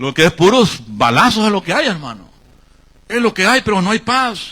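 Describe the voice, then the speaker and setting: Projecting a raised voice at a moderate pace, a man with a high pitch and a bright, sharp tone makes very wide pitch swings. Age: 60s. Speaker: pastor. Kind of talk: sermon.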